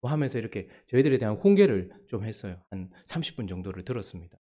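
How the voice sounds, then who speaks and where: A male pastor giving a sermon, telling a personal story in a lively way and acting out the people he quotes. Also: lowish voice, fast. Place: church.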